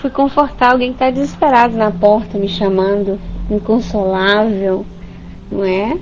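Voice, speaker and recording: A woman leads an informal spiritist study over an online voice chat via a computer mic, speaking warmly and conversationally. She often checks in with listeners using rhetorical "né?" tags, her mid-range voice steady at normal speed. The recording is muffled, with background noise.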